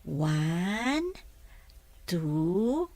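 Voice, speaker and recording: A woman's voice: lowish voice, sing-song, very slow, background noise, heavily acted. An actress in an Ilocano radio drama playing an earnest, deferential female caregiver. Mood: straining, urgent.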